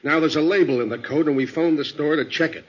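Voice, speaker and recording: An actor playing an earnest, matter-of-fact police sergeant with colloquial talk, in 1940s radio style. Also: male voice, a little high, quick pace, breathy edge. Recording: noisy, muffled old radio recording.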